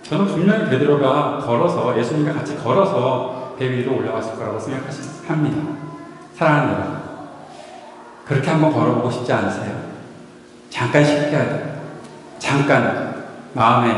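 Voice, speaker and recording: A man's voice: mid-range voice, a little hiss or hum. A man preaching a sermon as pastor, playful and often laughing as he asks the congregation questions. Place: church sanctuary. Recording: echoey hall from far off.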